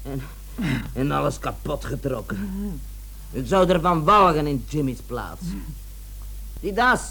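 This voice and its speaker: A woman's voice: deep voice, animated, a little slow, fairly bright tone, exaggerated voice. An actress playing a brazen middle-aged mother, bossy and teasing, in a Dutch radio play. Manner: teasing, prone to cackling. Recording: old radio recording, faint hum.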